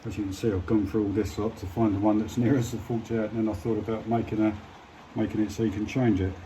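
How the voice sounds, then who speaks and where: A man's voice: on the low side, flat delivery, fast, background noise. A British man giving a casual hands-on repair demonstration, informal and a bit hesitant as he thinks aloud while working. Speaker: hobbyist presenter of an electronics repair.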